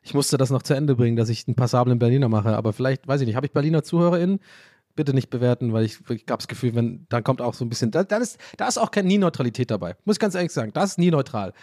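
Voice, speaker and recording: A man from a German village, telling a story in a casual monologue, animated, self-mocking and rambling. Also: medium pitch, very fast, no echo, studio quality.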